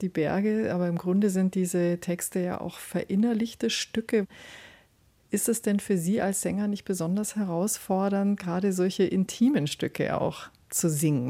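A female radio interviewer who asks long, carefully built questions in a measured way. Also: medium pitch, dark tone.

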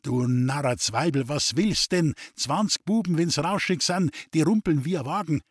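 A man voicing a hot-tempered young farmer's son who talks in Bavarian dialect, urgent and hoarse as he barks orders. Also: fairly high pitch, lively intonation, moderate pace, no echo, studio quality, pitched above the performer's own voice. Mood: angry. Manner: urgent, commanding, hoarse shouting.

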